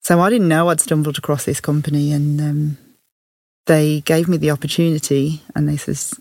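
Low-voiced Birmingham woman, reflective. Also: level tone, moderate pace, creaky, darkish tone, dry recording. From English Midlands. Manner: storytelling, thoughtful, laughs often. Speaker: podcast guest. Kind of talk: candid reflective conversation.

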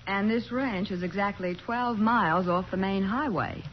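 An American actress playing an alert, helpful detective's assistant in a 1940s radio crime drama, eagerly explaining. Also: female voice, mid-range voice, moderate pace, close to an everyday voice. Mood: matter-of-fact. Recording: dull, noisy 1940s radio recording.

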